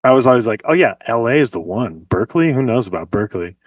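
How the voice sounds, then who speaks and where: A chatty man chatting as a guest over a video call, his speech full of "like" fillers. His voice sits at a middling pitch. The sound is dry and he is a little far from the mic. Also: lively intonation, quick pace, no room sound. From Los Angeles, United States. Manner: chatty, leans heavily on "like" fillers. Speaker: guest musician. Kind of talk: casual interview chat. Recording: dry, slightly distant mic.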